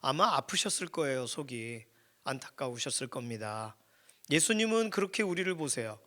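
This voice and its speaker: A man's voice: medium pitch, animated, normal speed, bright, forceful tone. A middle-aged male pastor giving a conversational sermon at a church prayer meeting, asking his listeners questions and acting out the voices he quotes. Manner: conversational, asks the congregation questions.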